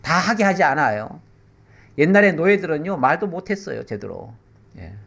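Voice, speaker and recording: A middle-aged male pastor teaching the Bible in a conversational way, explaining with rhetorical questions and slow pauses. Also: fairly high pitch, very animated, gravelly, a bit bright.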